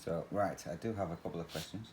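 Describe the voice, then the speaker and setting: A man's voice: deep voice, quick pace, darkish tone, a little hiss or hum. A man hosting a cross-stitch channel, chatting casually and rambling while he stitches, often laughing.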